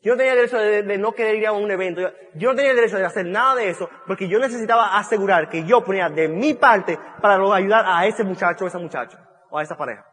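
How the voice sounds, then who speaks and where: Speaking in a high, very fast, slightly bright voice, a motivational speaker at a business event addresses the audience emphatically, repeating key lines and restarting mid-sentence. A large hall lends a long reverb.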